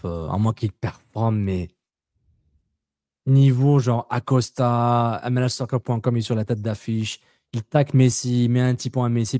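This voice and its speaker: Blunt man, mellow dry voice. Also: mid-range voice, no room sound. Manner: blunt, repeats himself, mixes in English words. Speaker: podcast co-host. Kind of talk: casual soccer podcast chat.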